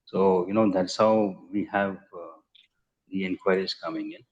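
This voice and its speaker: An Indian man answering investor questions as a company executive on an earnings call, in measured, hesitant phrasing with repeated words. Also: low-pitched, fairly even intonation, a little mellow. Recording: muffled conference call audio.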